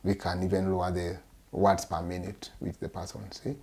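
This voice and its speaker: A middle-aged man from Kenya, a speech therapist, explaining treatment in an earnest, halting way in a small office, recorded by a camera across the desk. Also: low-pitched, level tone, a little mellow, slightly rough. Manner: earnest, repeats yes often, halting phrasing. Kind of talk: explaining in an interview.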